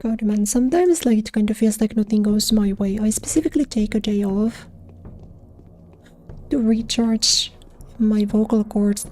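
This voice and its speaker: A woman's voice: medium pitch, moderate pace, darkish tone. A woman streamer chatting casually over her gameplay, laid-back and self-deprecating, her voice strained and fading. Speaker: streamer playing a game.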